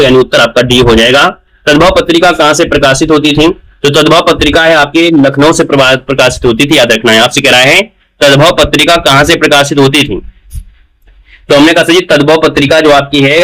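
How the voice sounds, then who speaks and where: Guy going over hindi test answers, kinda high voice, keeps repeating himself. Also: fairly bright tone, rough recording. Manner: repetitive, addresses students as "sir ji". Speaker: teacher. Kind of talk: exam-prep lecture.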